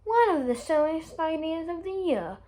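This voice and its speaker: A ceremonious storybook king played by a woman makes grand proclamations. The voice is high and swoops widely, with pompous, declamatory emphasis. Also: big pitch swings, normal speed, warm tone. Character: pompous, ceremonious male king of a nonsense land.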